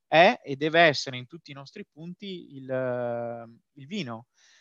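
The speaker is a man with a fairly high pitch and a bright, sharp tone. His pitch varies in an ordinary way, and the sound is dry and close with no echo. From Italy, Verona province (Valpolicella). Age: 30s. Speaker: wine export manager and sommelier. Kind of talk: interview.

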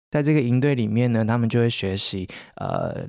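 A man speaks at medium pitch and a moderate pace, his tone dark and mellow. Intonation stays fairly even in a very clean recording with a silent background. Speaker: podcast host. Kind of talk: casual interview chat; scripted narration. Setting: in a car.

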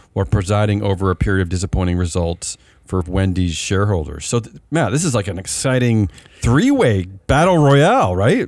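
With lively intonation and a fairly low pitch, a man speaks at a fairly quick pace. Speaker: podcast host on corporate governance. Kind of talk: scripted news roundup with casual banter. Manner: animated.

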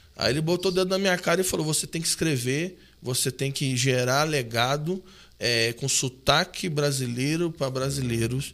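A man's fairly high-pitched voice, an ordinary speaking voice, in a very clean recording with a silent background. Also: ordinary pitch variation, moderate pace. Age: 40s. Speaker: pastor. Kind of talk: casual chat. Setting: studio.

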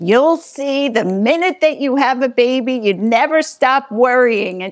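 A fairly slow pace in a put-on character voice. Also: woman, high pitch for a woman. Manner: worried, loving.

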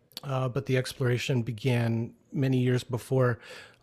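A man's somewhat breathy voice in a flat monotone. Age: 40s. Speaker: yoga teacher and transformational coach. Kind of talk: casual interview.

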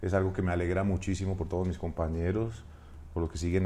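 A man with a very deep, low, somewhat breathy voice and a dark, mellow tone talks at a fairly quick pace in a monotone, flat delivery. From Colombia, Bogotá. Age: 30s. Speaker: actor. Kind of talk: casual chat.

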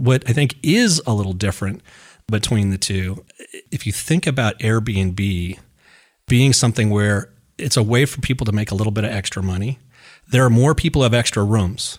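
In a very clean recording with a silent background, a man with an American accent speaks in an unremarkable speaking voice, fairly low in pitch, at a moderate pace with ordinary pitch variation. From Nevada, Reno. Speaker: tech company CEO. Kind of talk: interview. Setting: studio.

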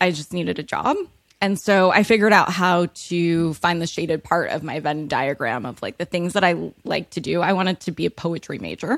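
A woman with an American accent and a fairly low pitch speaks at a moderate pace with vocal fry, in a very clean recording with a silent background. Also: dry, close sound with no echo. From Orange County, California. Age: 30s. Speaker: author and finance podcast host. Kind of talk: casual interview.

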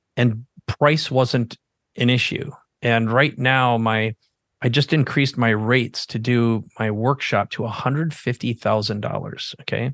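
A man's medium-pitched voice with an American accent, very slow and fairly even in intonation, dry and close with no echo, against a quiet background. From US Midwest, Minnesota. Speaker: podcast co-host and entrepreneur. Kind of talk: casual conversation.

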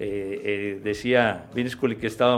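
A man speaks with a Mexican accent. His intonation stays fairly even. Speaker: sports podcast co-host and baseball radio announcer. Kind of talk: casual chat.

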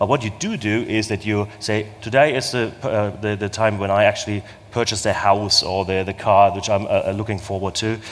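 Against noticeable background noise, a man speaks at a moderate pace. His voice is fairly low, with fairly even intonation. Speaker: fintech founder. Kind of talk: panel discussion. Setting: stage with audience.

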